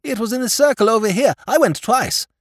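A man's voice: extremely high pitch, lively intonation, a little fast, dry recording, clean studio sound, voice pushed up. A man voicing a chatty, foolish young upper-class English lord with drawling, exclamatory old-boy slang for a storybook.

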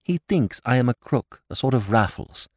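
A man voicing an earnest, sincere young gentleman who explains himself apologetically in a storybook. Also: mid-range voice, expressive, moderate pace, no echo, clean studio sound, close to an everyday voice. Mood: confessing.

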